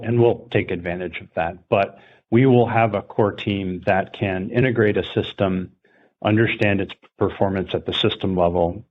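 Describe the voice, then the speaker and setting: Male tech executive, low register, measured corporate delivery, slightly dull call audio. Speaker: company technology executive.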